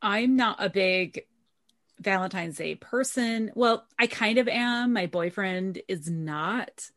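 A woman's voice: mid-range voice, slow, a bit bright. A woman hosting a casual podcast, upbeat and steering the conversation between guests. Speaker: podcast host. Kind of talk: casual chat.

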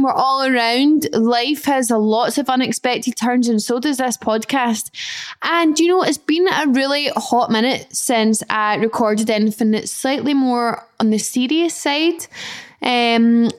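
A woman talks casually as a solo podcast host in a slightly high voice. She is chatty and leans on repetition for emphasis. The small flat she records in adds an echo. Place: indoors, small echoey flat. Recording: echoey room in a flat.

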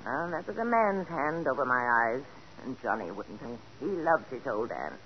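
A stubborn, sharp-tongued old woman of seventy-nine in a 1940s radio drama. She talks in a tart, commanding way. The old broadcast sounds muffled, with a faint hiss behind it. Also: a bass voice, big pitch swings, normal speed. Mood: imperious. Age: older. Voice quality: tart, imperious.

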